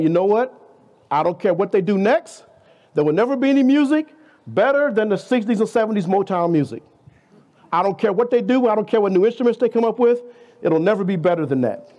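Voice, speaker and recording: Lively high-voiced preacher man in his fifties. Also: highs cut off. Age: 50s. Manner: conversational preaching, rhetorical questions, playful asides. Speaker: guest preacher. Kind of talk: sermon.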